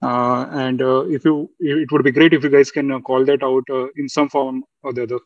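A man speaking as a financial analyst, asking halting questions on an earnings call over a conference line. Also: mid-range voice, level tone, no room sound. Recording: dull, slightly distant conference line.

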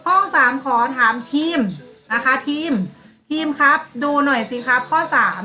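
A woman's voice: high-pitched, moderate pace, sharp tone, faint music behind. A woman teacher giving a lesson to primary school pupils, calling on them by name and acting out sample replies. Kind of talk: online class lesson.

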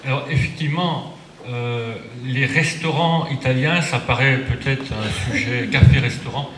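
A middle-aged male researcher giving a conference talk at a panel table, measured and hesitant, with many fillers. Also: mid-range voice, steady tone, fairly bright tone, slight background noise. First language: French. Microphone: table mic on stand. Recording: echoey room with audience.

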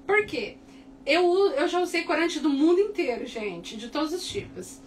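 High-voiced Brazilian woman teaching cake decorating. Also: moderate pace. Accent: Brazilian Portuguese. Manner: chatty, animated, repeats tag questions like "tá?" and "né?". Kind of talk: casual tutorial talk to viewers. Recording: distant mic with faint background noise.

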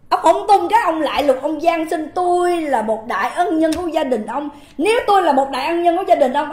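A woman's voice: sits high, darkish tone. A woman with a Southern Vietnamese accent giving an impassioned livestream monologue, indignant and emphatic, firing rhetorical questions at her viewers. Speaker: livestream host. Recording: roomy echoing room.

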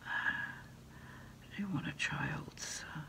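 A middle-aged woman doing a hushed ASMR roleplay, unhurriedly taking orders into a phone handset. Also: slow, poor audio. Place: small indoor desk space.

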